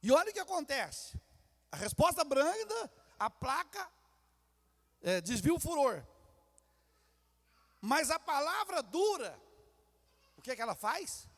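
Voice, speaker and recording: Brief: Brazilian pastor, high lively voice, preaching in a long-echo hall. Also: male voice, a little slow, long pauses. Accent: Brazilian Portuguese. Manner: acts out quarrels in character voices. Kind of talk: sermon. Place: church sanctuary. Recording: reverberant church hall.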